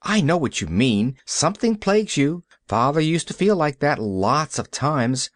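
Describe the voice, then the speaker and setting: A man's voice: a little high, very animated, measured pace, dry recording, studio quality. A man voicing an eager, chatty little girl who talks earnestly and hopefully.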